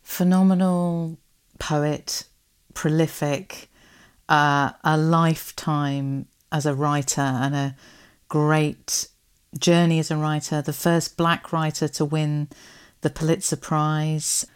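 A woman's voice: deep voice, level tone, slow, clear, resonant tone. A woman hosting a podcast, talking conversationally and explaining things. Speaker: podcast host. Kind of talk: conversational interview and discussion.

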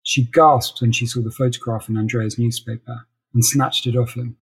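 A man's voice: medium pitch, little pitch movement, normal speed, slightly rough. A man reading a short story aloud as a literary narrator. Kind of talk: literary audiobook-style narration.

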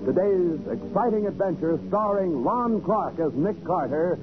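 A man's voice: high-pitched, expressive, measured pace, noisy background. An American man announcing a 1940s radio show in an emphatic, declamatory style. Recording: dull vintage radio recording with loud music.

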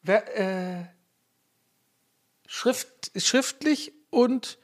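A man's voice: sits high, drawn-out words. A man in his thirties from Dublin, a native English speaker, hosting his own podcast in a rambling, self-mocking casual chat full of fillers, restarts and playful swearing. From Ireland, Dublin. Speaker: podcast host.

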